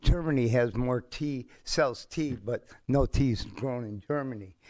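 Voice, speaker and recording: This man has a medium pitch. He talks at a moderate pace. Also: quiet background. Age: 60s. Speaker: homeless public commenter. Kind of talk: public comment. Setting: city council meeting. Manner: halting.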